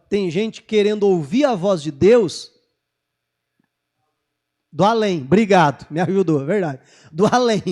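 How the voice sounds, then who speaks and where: A man preaching a sermon as pastor, joking with the congregation and acting out Bible dialogue. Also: high voice. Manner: lively, jokes with the congregation, acts out Bible dialogue.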